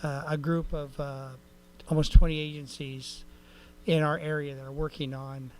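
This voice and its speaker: Council member who gives a loose, chatty report, fairly high-pitched for a man. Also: little pitch movement, normal speed, darkish tone, slight background noise. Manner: rambling, folksy, with many fillers and restarts. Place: council chamber.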